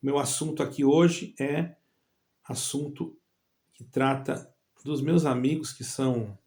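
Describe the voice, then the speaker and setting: Gravelly Brazilian-Portuguese man addressing believers. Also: mid-range voice, steady tone, darkish tone. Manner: halting, with many pauses and restarts. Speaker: evangelical channel host. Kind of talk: direct-to-camera address to fellow believers.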